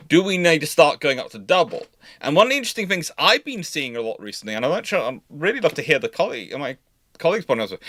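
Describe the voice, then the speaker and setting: A man hosting a casual livestream, talking in a rambling, animated way and often interrupting himself. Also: fairly high pitch, no echo, studio quality. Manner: animated, rambling enthusiast with frequent self-interruptions. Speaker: livestream host.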